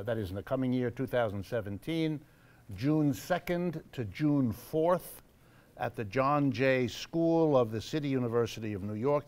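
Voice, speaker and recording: A man hosting a live event in a church hall, making announcements to the audience in a measured, wry way with frequent pauses and fillers. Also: mid-range voice. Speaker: host of a monthly lecture event.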